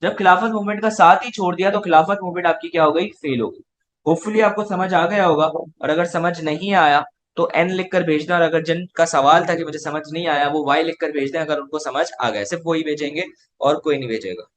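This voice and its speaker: A man's voice: a little high, a little fast, a bit bright, slight background noise. A male teacher with a Pakistani Urdu accent, giving an online class lecture and answering his own rhetorical questions.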